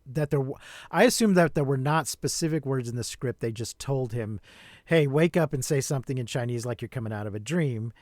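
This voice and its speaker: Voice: medium pitch, brisk, no room sound, studio quality. A podcast host in casual conversation, musing aloud and answering with short agreements. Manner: relaxed, musing, with brief backchannels.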